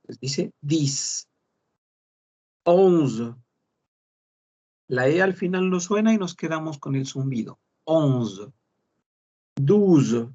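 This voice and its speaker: A man teaching a French class, slowly repeating words to model their pronunciation. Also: a little high, darkish tone. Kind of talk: online class lesson. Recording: dull lo-fi class recording.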